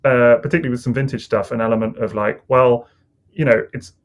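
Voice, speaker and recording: A man's voice: mid-range voice, fairly even intonation, quick pace. A man co-hosting a casual podcast chat, rambling and hesitant with lots of fillers. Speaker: podcast co-host.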